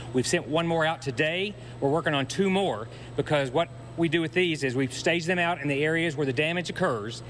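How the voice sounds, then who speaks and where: Higher-pitched man explaining in an interview. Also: fairly bright tone. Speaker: power company spokesman being interviewed. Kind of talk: plain explanatory interview answers. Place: warehouse. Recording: faint hum behind.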